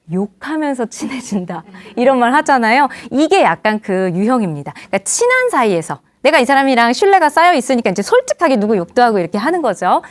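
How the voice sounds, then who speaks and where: A woman's voice: a little high, no room sound. A woman communication coach lecturing, acting out quoted dialogue in different voices. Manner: lively, acts out quoted dialogue in many voices. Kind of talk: lecture with acted examples.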